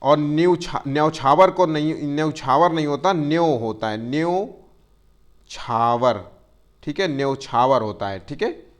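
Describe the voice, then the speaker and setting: A man with a voice on the high side teaches a Hindi grammar lesson for exam prep, full of fillers and drawing words out slowly to spell them. He keeps checking in with "theek hai" and reminds his students to take care.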